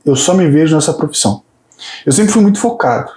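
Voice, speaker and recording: A man's voice: fairly high pitch, expressive, quick pace, a little mellow. A man in his thirties, a fitness coach, talking earnestly about his path with many hesitant restarts. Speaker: fitness coach and PhD student guest. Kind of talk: casual interview chat.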